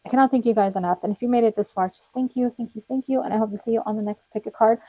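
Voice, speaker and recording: Casual tarot reader, young woman, rambling and friendly, voice going hoarse. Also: on the high side, racing, warm tone, dry recording, rough recording. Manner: chatty, rambling, with frequent fillers and little laughs. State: losing her voice, slightly cracking. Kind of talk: casual tarot reading to viewers.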